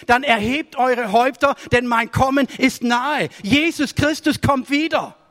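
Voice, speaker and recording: High-voiced male preacher, storytelling sermon style, reverberant hall sound. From Germany. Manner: storytelling sermon with swings between raised emphasis and quiet asides.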